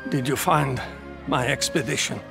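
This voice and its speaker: A man's voice: mid-range voice, moderate pace, gravelly. A man playing a grave, dying old explorer in a video game, weak and gasping in pain. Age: older. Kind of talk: dramatic video game cutscene acting. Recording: music behind the voice.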